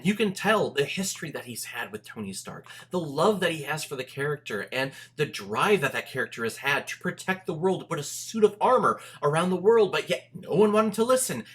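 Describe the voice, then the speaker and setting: A male movie reviewer speaks in a fairly high, bright voice with a sharp edge. His pitch swings widely as he gushes with enthusiasm. He leans hard on key words and pauses dramatically for effect. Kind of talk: enthusiastic video review commentary to camera.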